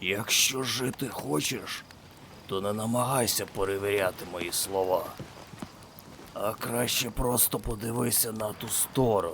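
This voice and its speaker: A man's put-on character voice, husky and hoarse, at medium pitch and a moderate pace, with a calm tone and clear background noise. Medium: read story. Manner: calm, ominous.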